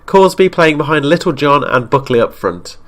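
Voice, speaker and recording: A man with a fairly high voice and a blocked-up nose from a coming cold talks through football game highlights. He narrates each pass as it happens and raises his voice at the near misses. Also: normal speed. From Wales. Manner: excitable play-by-play, shouts at near misses. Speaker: gaming YouTuber. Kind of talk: game commentary.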